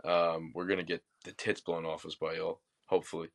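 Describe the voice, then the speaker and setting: A man with a very low voice, co-hosting a casual sports podcast. He is from Baltimore and talks bluntly, swearing freely and mocking with sarcasm. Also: flat delivery, fairly quick, vocal fry, fairly bright tone. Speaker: podcast co-host.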